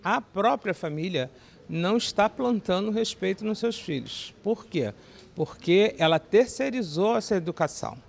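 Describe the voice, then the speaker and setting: Male interviewee, gravelly, forceful, handheld mic indoors. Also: high voice, lively intonation, moderate pace, slight background noise. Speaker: interviewee at religious event. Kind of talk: interview answer. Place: indoor event venue.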